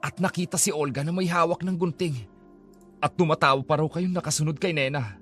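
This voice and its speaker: A man's voice: on the high side, fairly even intonation, fairly quick, fairly bright tone, faint music behind. Man narrating a horror tale.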